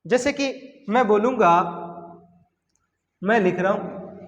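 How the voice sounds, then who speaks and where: A male Hindi grammar teacher giving a lesson, speaking slowly and deliberately and repeating sounds and words for pronunciation practice. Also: high voice, lo-fi sound. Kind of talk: classroom-style grammar lesson. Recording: echoey room with long reverb.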